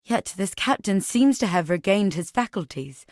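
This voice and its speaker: A woman playing a solemn, watchful tribal woman in a video game, speaking in a measured, poetic, earnest storytelling way. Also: mid-range voice, animated, a little mellow, no room sound, clean studio sound, close to an everyday voice. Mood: grave, wary. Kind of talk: scripted video game character dialogue.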